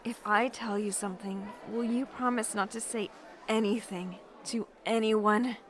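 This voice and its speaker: A woman's voice: mid-range voice, steady tone, natural voice. A woman playing a shy, anxious young woman with a hesitant manner in a naturalistic audio drama. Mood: uneasy. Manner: hesitant, halting.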